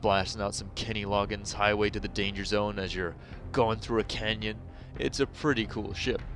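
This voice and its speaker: This man talks at a moderate pace with a fairly low pitch, fairly even intonation and vocal fry. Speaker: gaming video host. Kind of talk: casual game commentary.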